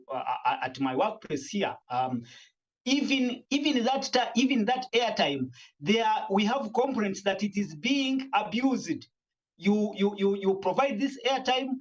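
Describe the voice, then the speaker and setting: A man's voice: high-pitched, dull audio. A man speaking earnestly as a media manager on a discussion panel, often restarting his sentences. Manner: earnest, argumentative, frequent restarts.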